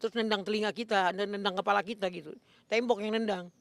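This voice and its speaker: An older woman in a casual interview, animated and acting out her reactions, with frequent coughs. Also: medium pitch, fast.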